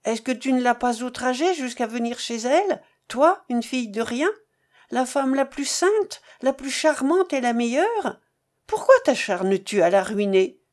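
A woman's voice: fairly high pitch, expressive, measured pace, darkish tone. A woman voicing an angry young man who bitterly accuses his mistress in a storybook reading. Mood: indignant, accusing. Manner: indignant, cold and cutting.

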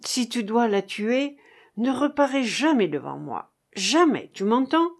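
A woman's voice: a little high, very animated, measured pace, gravelly, full character voice. A woman reading the part of a seasoned corsair captain in an audiobook, firm and earnest. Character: seasoned corsair captain, commanding yet fatherly.

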